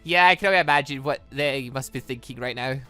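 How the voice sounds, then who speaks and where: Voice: mid-range voice, fast talker, bright, forceful tone, soft background music, voice pushed down, natural voice. A let's player voicing a protective, guarded young hero from a visual novel, serious and wary.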